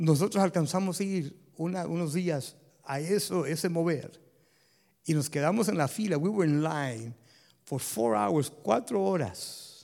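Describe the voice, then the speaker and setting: A man speaks in a normal speaking voice at a fairly high pitch and a fairly slow pace. The recording is very clean, with a silent background. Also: lively intonation. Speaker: pastor. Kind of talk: sermon. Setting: church with congregation. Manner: switches between Spanish and English line by line, repeating each point.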